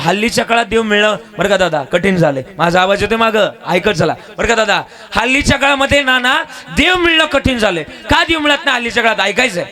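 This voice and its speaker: A man's voice: high voice, bright, forceful tone. A man preaching a devotional kirtan at a village gathering, using rhetorical questions, drawing the crowd into call-and-response, and breaking into song, heard over a microphone. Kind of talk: devotional kirtan sermon with singing. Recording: live music accompaniment.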